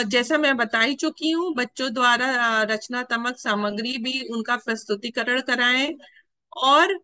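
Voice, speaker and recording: Woman, education trainer, earnest formal delivery, bright voice, dry close mic. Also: on the high side, no room sound. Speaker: education official addressing teachers.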